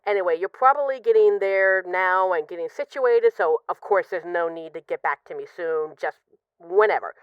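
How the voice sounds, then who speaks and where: A woman's voice: lowish voice, lively intonation, clear, resonant tone, no room sound, dull audio, lightly acted. A woman playing a possessive, lovesick mafia boss in an intimate, conversational audio roleplay of voicemails. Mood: affectionate, breezy. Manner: conversational, teasing, halting when emotional.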